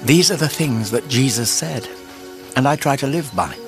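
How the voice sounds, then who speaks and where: An actor playing a level-headed, kindly physician, reasoned and articulate, in an audio drama. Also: male voice, mid-range voice, animated, normal speed, over music, close to an everyday voice. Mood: warm, modest.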